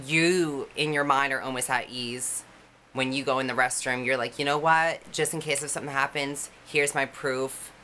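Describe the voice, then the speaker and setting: A young woman with a notably low voice speaks frankly to her camera, telling her own story. Her tone is bright and forward, and the talk is loose and conversational, full of fillers. A faint hiss sits under the recording. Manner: candid, conversational, many fillers. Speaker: vlogger.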